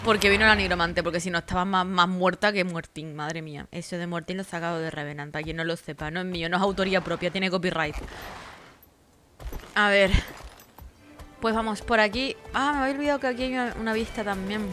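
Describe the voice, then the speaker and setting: A gameplay streamer with a lowish, fairly even, sharp-toned voice talks fast over game music. She sounds tired and sleepy as she chats freely, swears often, and cries out dramatically for help in fights.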